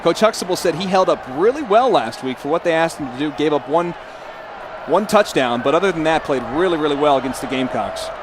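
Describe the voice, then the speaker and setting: A man's voice: fairly high pitch, lively intonation, quick pace. A man giving conversational color analysis during a live American football broadcast. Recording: broadcast booth, stadium noise behind.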